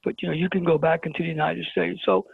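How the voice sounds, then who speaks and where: Gravelly Brooklyn man on a phone line. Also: fairly high pitch, fast talker, dry recording. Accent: New York (Brooklyn). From Brooklyn, New York. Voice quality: gravelly, husky voice. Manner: animated storyteller who acts out dialogue. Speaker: guest. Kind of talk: telling a personal story on a talk show. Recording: tinny phone-line call-in.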